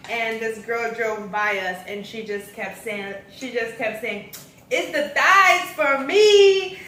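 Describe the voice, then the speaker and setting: A woman vlogger tells stories in a chatty, animated way. Her voice is bright and fairly high. She sits some distance from the mic in an echoey room with faint noise behind her. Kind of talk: casual storytelling chat.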